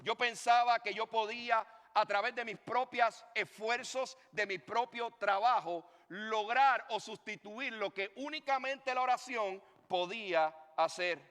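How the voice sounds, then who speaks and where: A pastor preaching a sermon, a man with a high, bright voice. He tells his story with lively swings and asides to the congregation. His voice rings out in a hall with a long reverb. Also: unhurried, hardly any pauses. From Puerto Rico.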